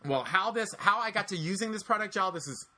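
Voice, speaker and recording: A man in his forties hosting a podcast, telling stories in a chatty, animated way with lots of restarts. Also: high-pitched, fast talker. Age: 40s. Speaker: podcast host. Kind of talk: casual podcast chat.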